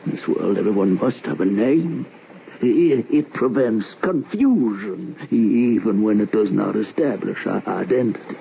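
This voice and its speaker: Casting: a lost, stammering drifter, gravelly and slow, vintage radio hiss. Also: male voice, fairly low pitch, expressive. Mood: brooding. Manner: halting, rambling, stammering. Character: haunted, confused drifter man. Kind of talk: 1940s radio acting. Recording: dull old radio recording, faint hiss.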